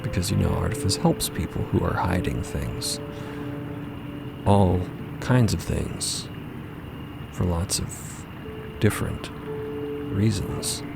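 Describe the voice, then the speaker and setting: An actor playing a subdued, vulnerable man in mourning, confiding haltingly in an audio drama. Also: deep voice, gravelly, over loud music, full character voice. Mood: sombre confession. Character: subdued, vulnerable young man, grieving a mentor.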